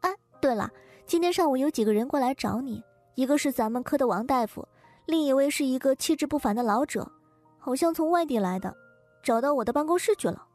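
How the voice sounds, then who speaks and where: A woman playing a high-pitched, pert young female colleague. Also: animated, brisk, darkish tone, no room sound, soft background music. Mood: brisk.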